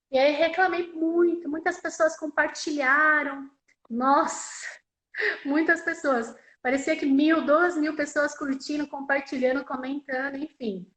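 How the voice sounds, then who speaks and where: A woman's voice: high voice, a bit bright, reverberant, low-quality recording. A woman interpreting live, voicing a deaf signer's personal story in the first person, in a conversational way with frequent tag questions and repeated phrases.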